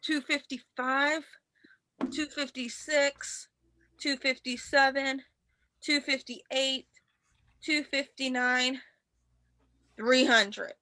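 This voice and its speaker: A woman's voice: high voice, steady tone, drawn-out words, pauses often, bright, forceful tone, no echo, full character voice. A woman playing a cocky young male wrestler, a vengeful braggart, in an amateur staged reading of wrestling promos. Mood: straining, boastful.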